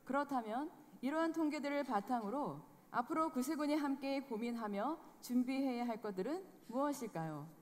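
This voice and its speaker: A woman presenting a formal scripted report in a clear, formal tone. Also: high-pitched, expressive, normal speed, few pauses. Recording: long hall reverb.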